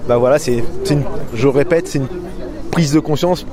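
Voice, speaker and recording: A man's voice: mid-range voice, moderate pace. Hesitant man interviewed outdoors amid crowd. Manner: hesitant, many fillers and self-corrections.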